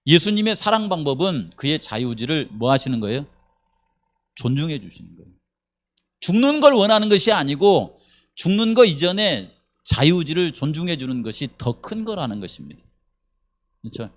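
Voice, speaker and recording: A man's voice: on the high side, sing-song, normal speed. A male pastor teaching a Bible doctrine class, talking conversationally and asking questions he answers himself. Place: small rural church.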